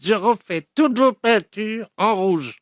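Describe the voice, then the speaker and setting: A man's voice: high-pitched, expressive, takes it slowly, fairly bright tone, no room sound, clean studio sound, full character voice. A man playing a meddling, half-deaf old woman on a prank phone call, who pretends to mishear and keeps pestering in a mock-sweet way. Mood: needling. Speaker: prank caller.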